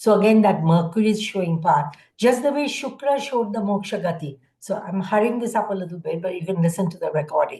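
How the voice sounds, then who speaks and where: A woman talks at a very fast pace with a medium pitch and lively intonation. Her voice is somewhat breathy, with a dark, mellow tone. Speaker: astrology teacher. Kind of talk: lecture. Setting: conference presentation. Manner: halting.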